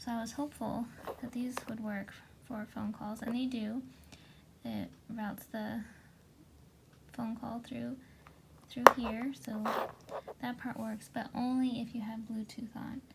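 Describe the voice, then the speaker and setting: Soft-spoken and calm in tone, a woman with a fairly high pitch talks at a fairly slow pace with fairly even intonation and long, frequent pauses over noticeable background noise. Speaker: product reviewer. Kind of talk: product review. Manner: calm, unhurried.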